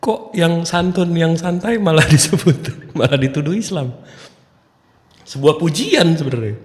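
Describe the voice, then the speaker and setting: A man's voice: fairly high pitch, expressive, a little slow, long reverb tail. A man casually hosting an online debate, joking and chatty. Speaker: debate host.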